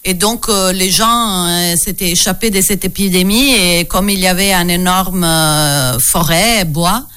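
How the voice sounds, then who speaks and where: A woman's voice: fairly low pitch, measured pace, few pauses, fairly bright tone, smooth. An Italian woman from Apulia, a guest artist in a French radio interview, speaking with an Italian accent in a precise, poetic way and correcting the host. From Italy, Apulia.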